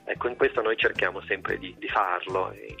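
A man's voice: lowish voice, steady tone, normal speed, creaky, loud music behind the voice. A man explaining his work as an educator in a radio interview, hesitating as he searches for words. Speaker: guest, fashion school educator.

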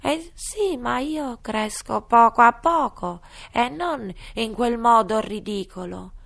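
A small, grumpy dormouse whines in a high, thin storybook voice, as a woman reads him. His complaints come out slow and fussy. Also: gravelly, fairly bright tone, exaggerated voice. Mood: peevish. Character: sleepy, peevish little dormouse.

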